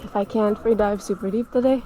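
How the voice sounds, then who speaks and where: A woman's voice: mid-range voice, fairly even intonation, fairly quick, music in the background. A woman vlogging candidly about her freediving course, sounding congested and thinking aloud as she reflects. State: congested, stuffy. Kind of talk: candid vlog to camera.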